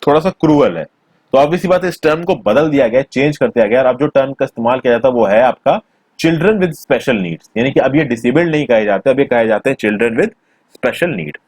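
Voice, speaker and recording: A man teaching a school textbook chapter in a conversational way, mixing in English terms, recorded on a close mic in a small quiet room. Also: medium pitch, lively intonation, moderate pace, breathy edge, dry recording. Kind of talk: textbook lesson explanation.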